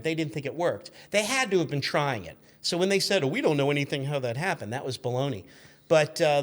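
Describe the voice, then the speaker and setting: A man chatting as a guest on a casual radio show, explaining things and telling anecdotes in a wry, dryly joking way, often interrupting himself. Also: a little high.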